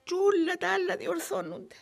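Creaky, weary old Cypriot Greek mother. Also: very high voice, steady tone. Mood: worried. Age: older. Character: anxious, pious old mother, weary and complaining. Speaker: actress in a drama. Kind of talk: dramatic dialogue and monologue in dialect.

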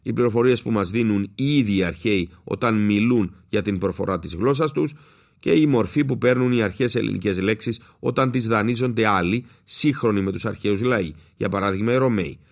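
Low gravelly-voiced man explaining steadily. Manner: measured, explanatory, spells out letters slowly. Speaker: linguist giving a lesson. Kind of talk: scripted educational talk.

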